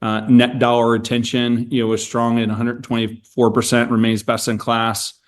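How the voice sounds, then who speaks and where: Male corporate executive, average pitch, businesslike and measured, earnings-call delivery. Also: completely flat delivery. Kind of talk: prepared corporate remarks and answers to analysts.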